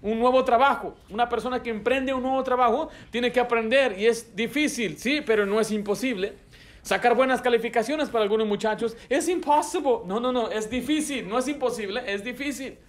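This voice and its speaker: A man with a notably high speaking voice preaches a Baptist sermon from the pulpit. He is emphatic and repeats his key points. He also acts out the dialogue of the people in his illustrations. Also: normal speed. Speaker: pastor. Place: church sanctuary.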